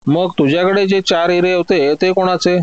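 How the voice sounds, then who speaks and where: A man's voice: high voice, fairly even intonation, normal speed, clear, resonant tone, no echo, muffled recording, pitched above the performer's own voice, natural voice. A man voicing a shrewd, stern male police sub-inspector who asks firm, probing questions.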